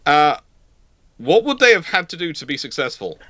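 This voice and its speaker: A man's voice: a little high, big pitch swings, moderate pace, bright, forceful tone, dry recording. A man hosting a casual live question session, explaining things in an emphatic, rambling, chatty way. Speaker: livestream host answering questions.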